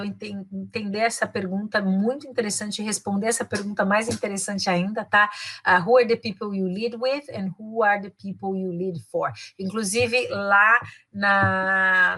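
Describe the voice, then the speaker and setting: Woman, Brazilian Portuguese accent, English teacher, casual online lesson, chatty, mid pitch. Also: fairly bright tone. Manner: chatty, switches often into English, frequent tag questions. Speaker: English and career coach.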